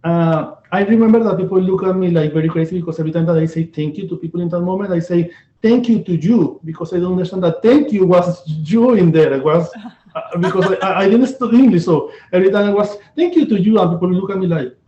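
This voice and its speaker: Venezuelan-accented man, echoey lo-fi sound. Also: high voice. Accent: Venezuelan Spanish. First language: Spanish. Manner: searching for words, halting and animated. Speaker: host. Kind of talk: casual interview chat. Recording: echoey, dull lo-fi room sound.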